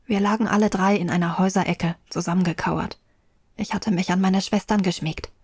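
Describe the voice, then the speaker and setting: A woman's voice: mid-range voice, a little mellow, husky, dry recording, studio quality. A woman playing a youngest medieval sister who looks back, wistful and reflective, as narrator of a radio drama.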